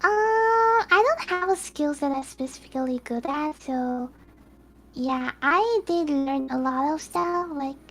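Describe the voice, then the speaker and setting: Young woman, chinese speaker, high voice, modest, hesitant. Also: slow. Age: young adult. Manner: modest, hesitant, simple phrasing. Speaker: guest. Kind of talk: casual streamed chat.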